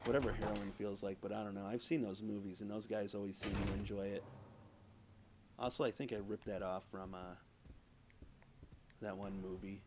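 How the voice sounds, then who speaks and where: A man talks over his game stream in a loose, rambling way, tossing in "like" and curse words as he plays. His voice sits a little low, and a steady hiss runs under it from a cheap console streaming mic. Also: normal speed, pauses often. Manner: rambling and crude, heavy use of "like" and swearing. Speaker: gameplay streamer. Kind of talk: casual let's-play commentary. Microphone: PS4 streaming mic. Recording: noisy home stream audio.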